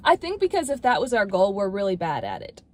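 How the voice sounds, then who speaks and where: A woman's voice: medium pitch, huge pitch swings, fast talker, darkish tone. A woman co-hosting a Christian family channel who chimes in with short remarks in casual conversation and laughs easily. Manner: brief interjections, laughs easily.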